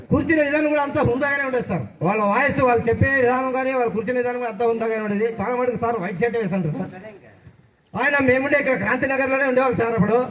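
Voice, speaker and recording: Male former student, high voice, off-mic, fond reunion speech addressing listeners as "sir". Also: far from the mic, low-quality recording. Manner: addresses listeners as "sir", recites verse slowly. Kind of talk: speech at a reunion, reminiscing and mimicry.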